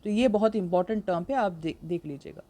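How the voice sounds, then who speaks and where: A young woman, tutoring for an exam and explaining slowly, mixing in English terms, with frequent fillers. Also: fairly low pitch, dark tone. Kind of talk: exam-prep lecture.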